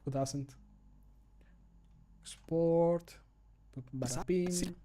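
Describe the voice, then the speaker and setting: A man's voice: fairly high pitch, drawn-out words, mellow. A man in his thirties chatting casually as a streamer, in a joking, self-deprecating manner. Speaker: streamer, amateur voice actor. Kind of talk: casual chat while recording. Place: small home room, indoors.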